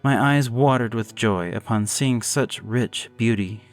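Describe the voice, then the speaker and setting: A man narrating a gothic horror story in a measured, deliberate way. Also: medium pitch, soft background music.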